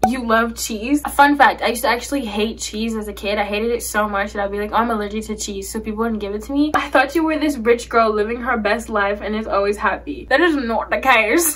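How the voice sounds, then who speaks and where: Very fast and with hardly any pauses, the speaker talks in an American accent with ordinary pitch variation over noticeable background noise. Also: woman, fairly high pitch for a woman. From US South. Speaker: lifestyle vlogger. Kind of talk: casual chat. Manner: casual and animated.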